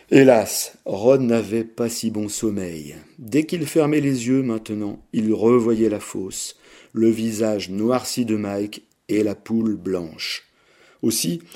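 Guy reading a novel out loud, warm mellow voice, measured and steady, slows down on the grim parts. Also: mid-range voice. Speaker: narrator. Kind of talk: scripted narration.

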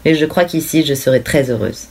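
An eerie little girl speaks with unsettling calm and politeness, as a woman reads her. The voice is soft, quiet and pitched rather low. It is an audiobook character reading. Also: brisk, breathy edge. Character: eerie, composed little girl who moves in uninvited.

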